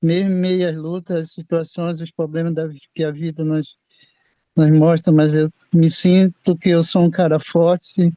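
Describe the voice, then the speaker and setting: A man in his sixties from Brazil, telling his own faith testimony in a halting way, often repeating and restarting his words. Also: a little high, flat delivery, warm tone, no room sound. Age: 60s. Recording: dull lo-fi sound.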